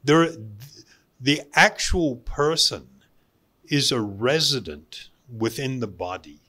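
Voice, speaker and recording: A man giving a spiritual self-help talk as a meditation teacher, deliberate, with emphatic pauses and repeated phrases. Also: mid-range voice, lively intonation, pushed and bright.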